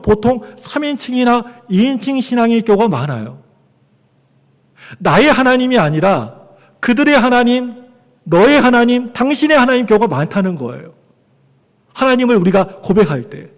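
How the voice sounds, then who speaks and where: A man preaching a sermon as pastor, animated, questioning the congregation. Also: very high voice. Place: church sanctuary. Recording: long church hall reverb.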